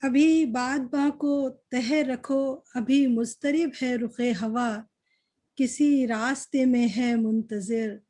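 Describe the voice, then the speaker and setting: A woman reciting poetry at a literary gathering, measured and repeating her couplets. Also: high-pitched, steady tone, dark tone. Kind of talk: slow Urdu poetry recitation.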